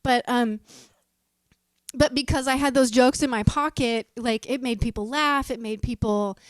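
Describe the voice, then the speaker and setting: A woman's voice: on the high side, measured pace, no room sound, studio quality. A woman musician in a casual interview, chatty and laughing often as she tells corny jokes. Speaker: musician guest.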